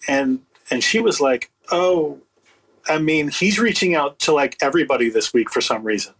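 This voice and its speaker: Husky, higher-voiced man, incredulous storyteller. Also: moderate pace, rough recording. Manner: animated retelling with acted-out quotes, incredulous and sardonic. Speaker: interview guest, audio book producer. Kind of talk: casual conversational storytelling.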